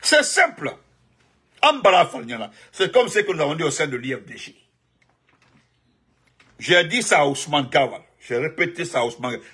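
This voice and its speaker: A man talks in a husky, tense voice that sits a little high. He rambles through live political commentary, repeating his points with emphasis and greeting his viewers by name along the way. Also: sing-song, moderate pace, long pauses, sharp tone. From Guinea. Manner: emphatic, repetitive, jumps between topics and greetings.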